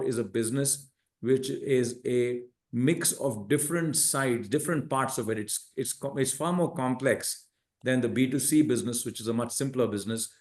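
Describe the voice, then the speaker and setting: A man's voice: medium pitch, darkish tone. A man speaking as a company executive, giving methodical, explanatory answers on an earnings call. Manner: measured, methodical, enumerating points.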